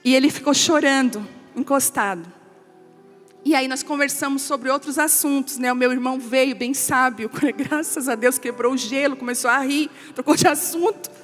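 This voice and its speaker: Woman, pastor, testimony sermon, emotional storytelling, high voice, reverberant church hall. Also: moderate pace. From Brazil. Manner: emotional storytelling, quoting family in a softer voice. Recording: long hall reverb with soft music.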